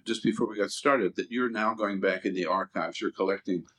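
A man's voice: fairly low pitch, fairly quick, fairly bright tone. A man hosting an interview, asking easygoing questions with hesitant fillers. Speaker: interviewer, podcast host. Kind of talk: conversational interview.

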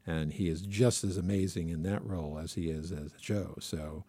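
A man's voice: low-pitched, steady tone, moderate pace, warm tone, husky, no echo. Man, casual podcast chat, rambling with restarts, dry close mic. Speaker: podcast co-host.

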